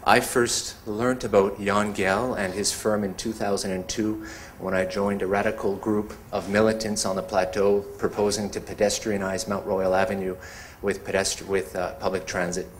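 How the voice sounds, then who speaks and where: A man hosting an evening talk, introducing the speakers in a measured way. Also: on the low side, little pitch movement, slight background noise. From Montreal. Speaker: event host introducing speakers. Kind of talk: event introduction.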